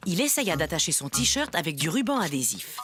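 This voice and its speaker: A woman playing a kindly storyteller, narrating a children's cartoon tale in a gentle, expressive manner. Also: low-pitched, brisk, over music.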